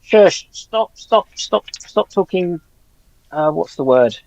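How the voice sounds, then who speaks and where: A man chatting casually and unscripted as a live-stream panelist, halting and searching for his words. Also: high voice, expressive, creaky, darkish tone, dry recording, dull audio.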